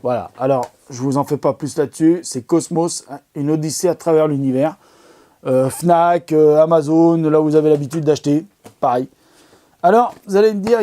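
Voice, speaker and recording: A man with a mellow, warm voice that sits a little high, talking casually to his viewers. He rambles with enthusiasm, stumbling over fillers and restarting his sentences as he recommends documentaries. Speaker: amateur astronomy video host. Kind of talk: casual product recommendation talk.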